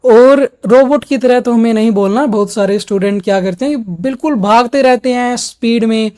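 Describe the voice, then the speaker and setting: Mellow-voiced man coaching exam students. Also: extremely high pitch, moderate pace. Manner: explains step by step, speaking straight to students. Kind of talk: instructional video lesson.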